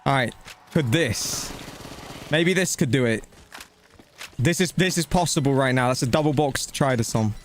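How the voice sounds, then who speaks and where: A man's voice: medium pitch, moderate pace, pauses often, a little hiss or hum. A man giving casual live gameplay commentary and chatting to viewers, blunt, slangy and matey, with some swearing. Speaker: video game streamer.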